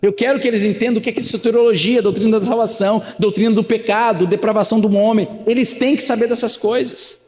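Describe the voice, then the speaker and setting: A man's voice: high-pitched, steady tone, quick pace, hardly any pauses, darkish tone, big-room sound. A man in his thirties, from Rio de Janeiro, preaching an earnest, conversational sermon full of rhetorical questions and repeated phrases. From Rio de Janeiro, Brazil. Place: church sanctuary.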